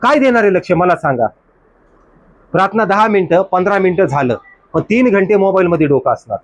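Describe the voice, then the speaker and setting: A man delivering a church sermon in a high voice, pressing his listeners with rhetorical questions and parroting their excuses. The sound is dry and close. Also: lively intonation, a little fast, no echo, lo-fi sound. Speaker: pastor.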